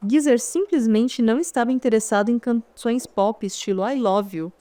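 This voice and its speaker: A woman's voice: on the high side, a little mellow, dry recording. A woman with a Brazilian Portuguese accent reading a first-person memoir audiobook in a conversational storytelling manner, with wry asides to the listener. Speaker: audiobook narrator.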